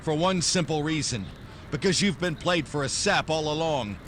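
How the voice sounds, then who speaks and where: Actor as wisecracking hard-boiled detective, higher-pitched. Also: male voice, normal speed, a bit bright, a little hiss or hum, lightly acted. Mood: hard, scornful. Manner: clipped wisecracking, hard-edged delivery. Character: tough, sardonic, threatening male hard-boiled private detective. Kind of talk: 1940s noir radio drama acting, first-person narration.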